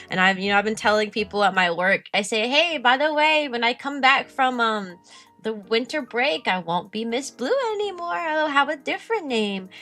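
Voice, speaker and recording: A young woman chats casually on a live stream, reading and answering her viewers' messages. Her voice is high-pitched and very bright, and she giggles often. Faint music plays softly behind her. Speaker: VTuber streamer.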